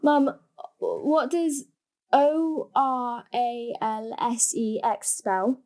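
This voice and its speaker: A woman's voice: fairly high pitch, fairly even intonation, very slow, darkish tone. A woman acting a guileless young adult daughter in a stage drama, plaintive, naive and easily annoyed. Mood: naive, needy. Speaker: stage actor. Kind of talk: dramatic dialogue in a play.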